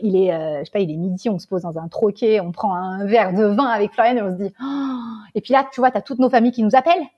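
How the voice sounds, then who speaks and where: Fast-talking animated woman telling a story. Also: mid-range voice, dull audio. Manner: animated, swears casually, keeps saying "tu vois". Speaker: guest, tea salon founder. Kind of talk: casual interview storytelling.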